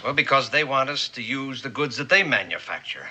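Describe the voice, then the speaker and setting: An actor playing a genial, wise older male printer with a lively, lightly humorous manner in a television drama. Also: medium pitch, brisk, slight background noise. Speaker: Benjamin Franklin figure.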